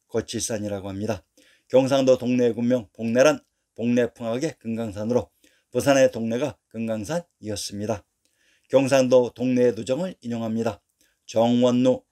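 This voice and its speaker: A man with a mid-range voice reads a scripted history lesson in a steady, declarative tone, tossing in rhetorical questions as he goes.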